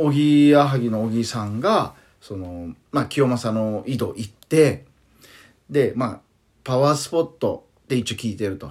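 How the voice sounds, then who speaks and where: A man with a medium pitch talks at a fairly slow pace with lively intonation. It is an ordinary speaking voice. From Okinawa, Japan. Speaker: comedian. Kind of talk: casual chat, comedy talk. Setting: remote, recorded from own home.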